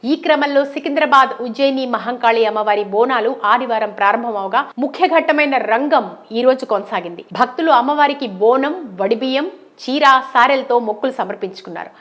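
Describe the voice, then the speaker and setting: A woman with a fairly high voice narrates a news report. She reads from a script in the manner of a voice-over reporter. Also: fairly quick.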